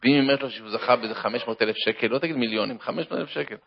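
A man telling a comic story and drawing a moral from it in an animated, lecturing way, on a dull lo-fi recording. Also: mid-range voice, creaky.

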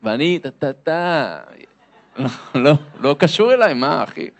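A man's voice: on the high side, sing-song. A man, a lecturer, telling a comic story to an audience and acting out the voices and sounds in it.

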